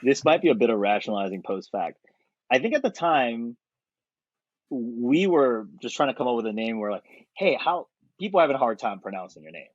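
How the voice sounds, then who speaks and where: A man in his thirties from South Korea, a podcast guest talking thoughtfully and with energy, pausing on fillers. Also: medium pitch, no room sound. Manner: thoughtful, animated, with frequent fillers and laughs. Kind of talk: conversational interview. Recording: dry, slightly dull podcast audio.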